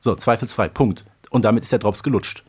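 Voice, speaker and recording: A man's voice: on the low side, brisk, breathy edge. A man co-hosting a podcast, reviewing a radio play in colloquial, emphatic casual chat full of idioms. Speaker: podcast co-host.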